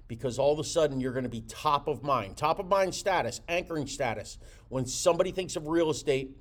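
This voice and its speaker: A man hosting a real estate coaching show, talking with energy, repeating words and using many fillers. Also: medium pitch. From United States. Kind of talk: motivational teaching talk.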